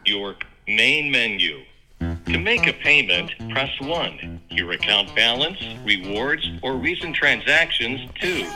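A man's voice: mid-range voice, big pitch swings, slow, bright, forceful tone, soft background music, low-quality recording. A man's voice on a recorded automated phone menu, reading polite, scripted prompts. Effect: automated phone menu message over the line.

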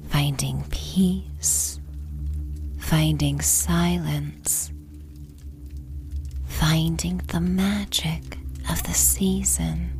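Very slow, soft woman narrating a sleep story. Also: low voice. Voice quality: soft, breathy, half-whispered. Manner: gentle, unhurried, pausing between short phrases. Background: music.

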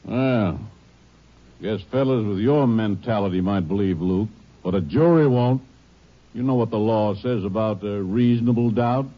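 An actor playing a smug, slippery storekeeper suspected of murder, sneering with sarcasm in a 1950s radio drama. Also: male voice, fairly low pitch, moderate pace, natural voice. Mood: smug, mocking. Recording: dull vintage radio recording.

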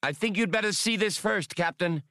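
A man voicing a small, pedantic alien academician in an audiobook, excitable and formal in his precise, wordy speech. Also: high voice, normal speed, no echo, clean studio sound, voice pushed up. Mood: urgent. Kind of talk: audiobook character voice.

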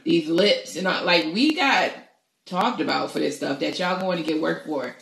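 A woman's voice: deep voice, normal speed, vocal fry, a bit bright. A woman with an African American accent speaking in an outspoken, conversational way in a casual group discussion. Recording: roomy echo.

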